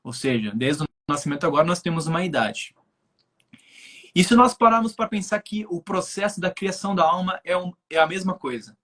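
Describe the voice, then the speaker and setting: Husky young man explaining on a live stream. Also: sits high, animated, a little fast, pushed and bright. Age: 20s. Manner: explanatory, thinks aloud with many filler tags. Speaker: guest speaker on spirituality.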